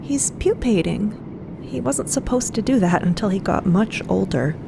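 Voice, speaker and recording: A woman voicing a sweet, anxious, tired young adventurer in an audio drama, speaking in a hesitant, earnest, halting way. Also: mid-range voice, lively intonation, gravelly, background noise.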